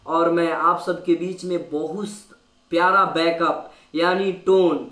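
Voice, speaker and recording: A man from India talks to his viewers in a humble, pleading tone. His voice sits fairly high. The sound is roomy and picked up from a little way off the mic. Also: a bit bright, distant mic. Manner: humble, pleading, asks repeatedly. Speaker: keyboard player and channel host. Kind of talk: casual talk to camera.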